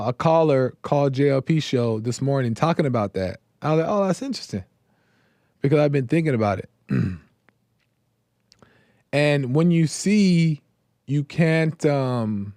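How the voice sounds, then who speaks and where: A man talks slowly and thoughtfully about faith, circling back to his points with pauses and filler words. His voice is wearing thin and a little hoarse. The sound is close and dry, with no room echo. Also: fairly high pitch, lively intonation, darkish tone. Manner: slow, reflective, with many fillers and repeated phrases. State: voice going hoarse. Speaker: host of a live call-in faith show. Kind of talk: casual devotional talk.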